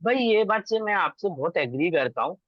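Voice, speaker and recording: A man's voice: high voice, expressive, moderate pace, no room sound. A young man hosting a casual interview, giving emphatic advice and slipping into English phrases. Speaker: host interviewing an exam topper. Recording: dull lo-fi dry sound.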